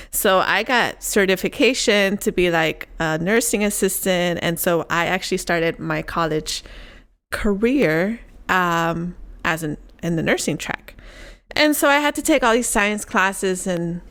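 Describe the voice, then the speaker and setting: A young woman from Puerto Rico with a slightly low-pitched voice co-hosts a casual chat. She rambles through her story with restarts and frequent laughter. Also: a bit bright. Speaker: podcast co-host.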